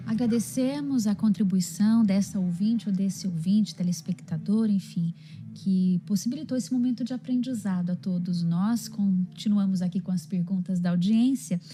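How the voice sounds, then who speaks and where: A woman's voice: medium pitch, moderate pace, dark tone, faint music behind. A Brazilian woman hosting a programme and reading audience questions aloud in a courteous, orderly way.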